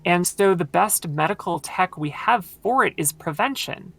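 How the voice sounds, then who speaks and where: A woman with a very low voice, explaining at length in casual conversation with many fillers, her voice tired from long talking. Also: expressive, measured pace, vocal fry, a bit bright. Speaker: podcast guest.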